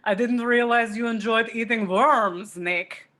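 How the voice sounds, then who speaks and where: Woman playing a smug deadpan male vampire. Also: fairly high pitch, measured pace. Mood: smug, teasing. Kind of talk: table read of a film script. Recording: home video call.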